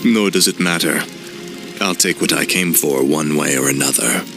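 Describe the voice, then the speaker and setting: Deep-voiced, cold death knight. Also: male voice, normal speed, music in the background. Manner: flat, grim and unrepentant. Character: young fallen prince turned death knight, cold. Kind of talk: video game cutscene acting. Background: orchestral score.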